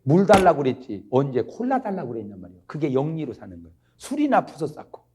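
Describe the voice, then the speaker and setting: A male pastor giving a humorous revival sermon. He is jokey, keeps prodding the congregation with quick questions, and swings between low asides and loud exclamations. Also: huge pitch swings, slightly rough.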